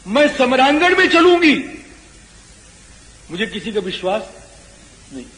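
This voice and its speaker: A man's voice: extremely high pitch, big pitch swings, a little slow, a bit bright, voice pushed up, exaggerated voice. A man voicing a bloodthirsty demoness who craves fresh, foaming blood. She speaks in a gloating, insistent way, and the voice rings in an echoey hall. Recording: echoey hall with faint noise.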